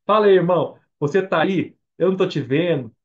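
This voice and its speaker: A man's voice: high-pitched, a little fast, dull audio. A man preaching a Bible study sermon with a Brazilian Portuguese accent. He keeps asking his listeners questions and answering them himself. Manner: animated, asks the congregation questions and answers them. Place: church or online meeting.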